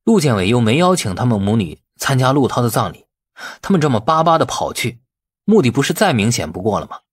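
Man acting brash irritable man, audiobook character, colloquial, defensive, animated, husky. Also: mid-range voice, brisk. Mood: irritated. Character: brash, irritable man in a family inheritance feud.

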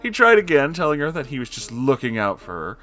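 A man's voice: medium pitch, big pitch swings, a little fast, sharp tone. A man reading an online story aloud, adding sarcastic asides of his own between passages. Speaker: story reader.

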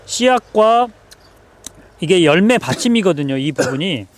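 A lively, teacherly herbal medicine professor explains herbs outdoors on a farm, quizzing the people with him. His voice is high-pitched and his pace measured.

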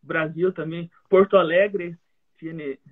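Slow Brazilian host on tinny call. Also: male voice, on the high side, fairly even intonation. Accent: Brazilian Portuguese. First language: Portuguese. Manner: brief questions and backchannels in halting Spanish. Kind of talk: casual live interview. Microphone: video call.

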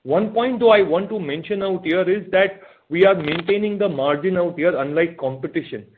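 A man with an Indian accent answering questions as an executive on an earnings call, speaking haltingly and repeating his phrases. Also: high-pitched, a little hiss or hum. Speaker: company executive answering analysts. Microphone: telephone conference call. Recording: narrow, tinny phone conference line.

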